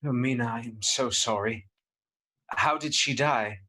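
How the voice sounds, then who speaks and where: An actor playing a shaken but earnest and insistent young husband in a radio drama. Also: male voice, mid-range voice, measured pace, sharp tone. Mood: sympathetic, polite. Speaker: actor in a live radio play. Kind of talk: theatrical radio drama acting.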